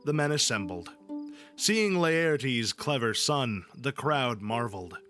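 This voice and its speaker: Hosting a livestream, this man swings from loose conversation to reading text aloud, keeping things jokey, irreverent, and full of profanity. His mid-range voice is very animated and fairly bright, though he speaks slowly. Ambient background music runs under everything.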